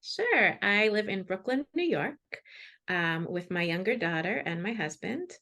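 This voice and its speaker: A woman's voice: medium pitch, big pitch swings, a little slow, pushed and bright. A woman, a children's author, introducing and reading her picture book to classrooms over a video call.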